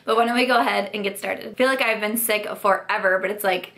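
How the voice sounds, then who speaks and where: A woman's voice: mid-range voice, fast, fairly bright tone. A young woman vlogger, losing her voice from a sore throat, chatting frankly through makeup reviews with lots of likes. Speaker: beauty vlogger. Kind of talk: casual product review.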